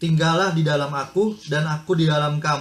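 This man talks fairly quickly in a fairly high voice whose pitch varies in an ordinary way. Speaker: participant reading scripture aloud. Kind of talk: reading aloud. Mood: calm, reverent. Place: home room. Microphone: studio mic.

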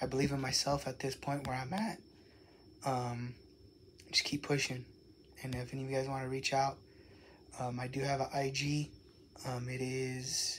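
Over light background noise, a man talks at a fairly quick pace in a somewhat breathy voice with monotone, flat intonation. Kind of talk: casual vlog chat. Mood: calm, encouraging, reflective. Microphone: phone near.

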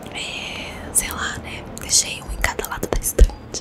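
A soft-spoken woman whispers. Loud background noise is present. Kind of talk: soft casual ASMR-style show-and-tell. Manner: soft ASMR whisper close to mic. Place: home room. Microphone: studio mic.

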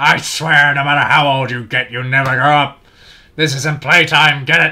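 In a put-on character voice, a man delivers raspy, fairly high-pitched speech at a moderate pace with monotone, flat intonation. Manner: callous, bossy.

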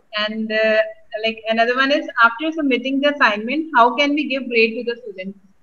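Delivered at a fairly quick pace, the speech has big swings in loudness and ordinary pitch variation over faint background music. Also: woman, high pitch for a woman. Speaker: webinar moderator. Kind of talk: formal moderation. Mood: polite, formal. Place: office. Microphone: video call.

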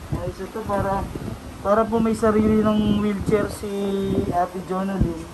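The speaker is male. Background noise is clearly audible. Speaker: charity vlogger. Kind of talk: casual vlog chat. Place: shop. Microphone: phone near.

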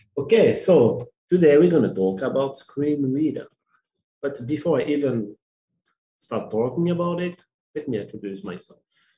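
A man with a French accent speaks in a dark, mellow, somewhat breathy voice with lively intonation and long, frequent pauses. Room echo is audible, with light background noise. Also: moderate pace. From Belgium, French-speaking part. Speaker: bootcamp graduate giving a tech talk; conference presenter. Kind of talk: tech talk presentation. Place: home room. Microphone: headset.

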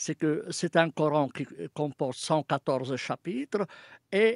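Against a quiet background, a man speaks with a fairly high pitch. His pitch swings very widely, and the sound is dry with no echo. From Palestine. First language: Arabic (speaking French). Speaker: professor and Quran translator; professor. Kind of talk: radio interview. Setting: remote studio link. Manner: hesitant, many fillers. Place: studio.

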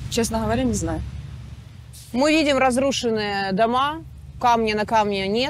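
With light background noise and a dry sound with no echo, the speech moves at a fairly slow pace broken by long, frequent pauses. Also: woman, fairly high pitch for a woman, ordinary pitch variation. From Ukraine. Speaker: journalist interviewing residents. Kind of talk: street interview. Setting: outdoors on the street. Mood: subdued, matter-of-fact. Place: street. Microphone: handheld.

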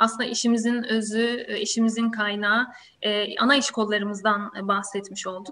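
A woman's bright, sharp tone at a moderate pace. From Izmir, Turkey. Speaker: HR talent development manager. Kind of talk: online career talk with presentation. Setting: video call. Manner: frequent filler 'e', hesitant.

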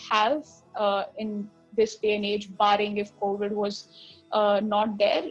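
A woman speaks with faint music in the background. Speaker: guest. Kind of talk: interview answer. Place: home room.

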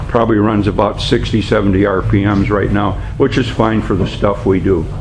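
There is noticeable background noise around this man. He talks at a moderate pace with a fairly low pitch. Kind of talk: casual walk-through commentary. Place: workshop. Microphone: phone near.

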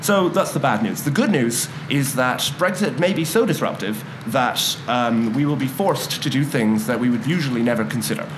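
A man at a moderate pace with lively intonation and hardly any pauses, amid noticeable background noise. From Ireland. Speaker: think tank director. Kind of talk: conference speech. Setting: stage with audience. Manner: hesitant, many fillers. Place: hall. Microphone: podium.

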